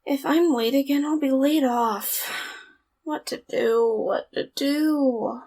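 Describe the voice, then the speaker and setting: A woman's voice: high voice, takes it slowly, mellow. A woman playing a tired, flippant young reluctant hero in an audio drama, offhand and sarcastic. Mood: weary.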